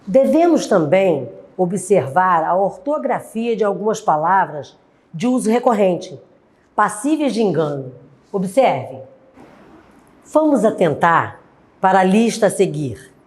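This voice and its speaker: A Brazilian woman teaches a recorded lesson at an unhurried pace. Her pitch rises and falls a lot as she stresses each example. She lays out word pairs one by one, as if dictating. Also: big pitch swings, a little mellow. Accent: Brazilian Portuguese. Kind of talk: recorded grammar lesson for adult students.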